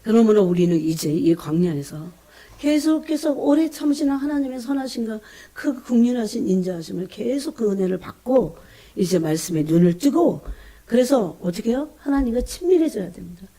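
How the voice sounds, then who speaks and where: A woman preaching a fervent, emotional sermon, often calling out to her congregation and dropping into hushed whispers between bursts of emphasis. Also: fairly high pitch, expressive, fairly quick.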